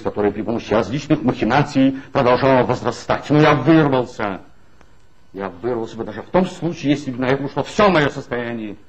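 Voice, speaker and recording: An actor playing a bitter, ironic former magazine writer in a 1960s radio play, speaking in a measured, wry way. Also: male voice, lowish voice, lightly acted. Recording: dull old 1960s radio recording with faint hiss.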